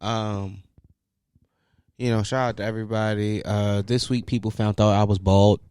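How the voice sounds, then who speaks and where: A young man with a Baltimore accent co-hosting a podcast, talking casually in relaxed slang with lots of fillers. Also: fairly low pitch, moderate pace, smooth, no echo, studio quality. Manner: laid-back, filler-heavy slang talk. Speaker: podcast co-host. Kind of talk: casual chat.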